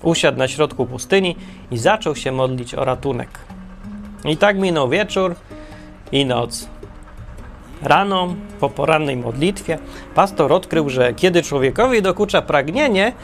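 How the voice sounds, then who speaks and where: A man narrating a parable in a wry, deadpan storytelling manner. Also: fairly high pitch, normal speed, gravelly, soft background music. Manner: wry, deadpan humor with self-corrections.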